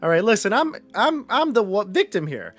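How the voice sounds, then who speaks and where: Tabletop game role: a man acting a jittery, innocent male shopkeeper, pleading and stammering, pitched up, music behind. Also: sing-song, moderate pace, a bit bright, full character voice. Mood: anxious, cautious. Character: nervous, frightened, innocent male rug shopkeeper.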